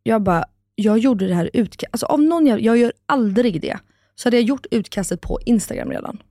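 A woman, co-hosting a casual podcast and telling stories in an animated way, acting out quotes and swearing casually. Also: a little high, no room sound, studio quality. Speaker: podcast co-host. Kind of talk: casual chat.

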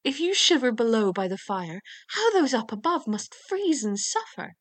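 A woman's voice: on the high side, big pitch swings, moderate pace, voice pushed up. A woman voicing a simple, stubborn, fearless young man in a fairy tale, speaking in a naive and emphatic way. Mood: pitying.

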